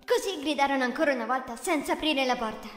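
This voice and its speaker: A woman narrating a children's fairy tale in an expressive storytelling voice. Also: high voice, fast. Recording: echoey, reverberant room with music.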